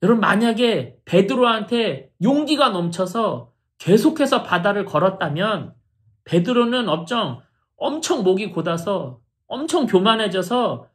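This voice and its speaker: A middle-aged woman pastor preaching a sermon in an earnest, emphatic way, often addressing the congregation directly. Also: mid-range voice.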